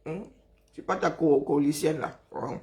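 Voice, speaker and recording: Sitting low and warm, though hoarse and worn out, her Cameroonian French-accented voice reaches her live-stream viewers. She keeps up a teasing chatter, greets them individually, and pads the pauses with hums and long sighs.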